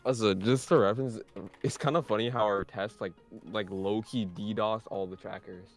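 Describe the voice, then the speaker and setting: Low, gravelly young man coding. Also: fairly even intonation, moderate pace, faint music behind. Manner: matter-of-fact, narrates what he is doing. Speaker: co-developer, stream guest. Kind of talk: casual live coding chat.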